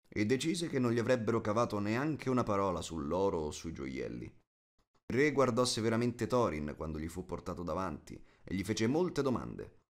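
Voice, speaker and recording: A man narrating a fantasy audiobook as a scripted, expressive storyteller. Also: lowish voice.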